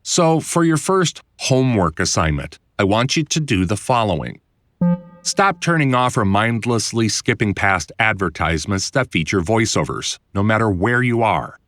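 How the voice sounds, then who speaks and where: A man reading his own instructional audiobook in a conversational, clearly enunciated way, like a voiceover producer explaining the trade. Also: on the low side, big pitch swings, normal speed, a bit bright, no room sound. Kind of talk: scripted instructional narration.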